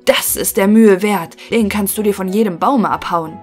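A woman voicing an old male tailor, a doubtful father, speaking slowly and skeptically. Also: medium pitch, faint music behind, close to an everyday voice.

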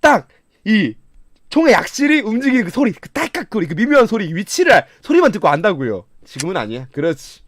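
A man with a very high, lively voice, recorded close and dry with no room sound. He streams a game, talking casually and excitably, swinging from quiet mumbling to loud shouts and laughter. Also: brisk, no room sound. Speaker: gaming streamer.

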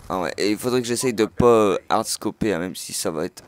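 A man hosting a gaming channel, giving live commentary on his own match with frequent excited outbursts and swearing. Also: lowish voice, brisk, a little hiss or hum.

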